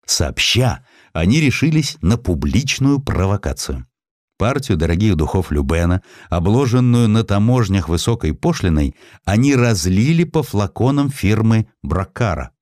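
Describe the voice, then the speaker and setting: A man narrating a historical sketch as an audiobook, telling it expressively and slowing down for quoted lines. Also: no echo, studio quality. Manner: expressive storytelling, voices quotes with shifts of pitch and slowing down.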